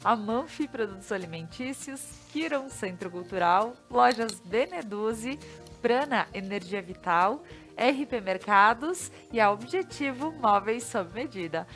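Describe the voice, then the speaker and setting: Brazilian woman TV host, effusive chatty delivery, slightly high voice, faint music behind. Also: animated, measured pace, a bit bright. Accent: Brazilian Portuguese. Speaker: TV morning show host. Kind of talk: chatty talk-show hosting.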